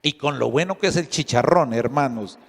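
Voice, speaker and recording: A man's voice: medium pitch, normal speed, creaky, big-room sound. A male Catholic priest giving a sermon, telling stories and addressing the listeners as brothers.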